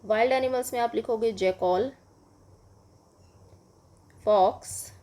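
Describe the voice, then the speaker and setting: A woman's voice: a little high, dark tone. A woman with an Indian accent teaching a children's English lesson, explaining in Hindi and asking and answering her own questions. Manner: slow, patient, addresses children, asks and answers own questions.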